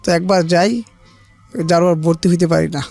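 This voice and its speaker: A man's voice: on the high side, fairly even intonation, moderate pace, gravelly, darkish tone, faint music behind. A man telling his life story as an interview guest, hesitant and plain-spoken, with frequent restarts. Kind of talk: halting personal storytelling.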